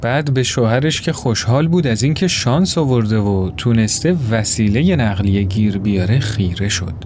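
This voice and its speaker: Expressive male storyteller. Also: medium pitch, a little hiss or hum. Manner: expressive, voices characters. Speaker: narrator. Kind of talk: storytelling narration.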